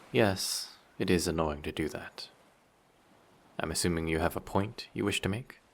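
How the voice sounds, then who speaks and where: Brief: male actor as possessive male sea monster for audio roleplay, very low and gravelly, quietly menacing yet flirtatious. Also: full character voice. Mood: regretful, threatening, then hesitant, considering. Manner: measured, quietly menacing, formal wording. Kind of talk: intimate scripted audio roleplay drama.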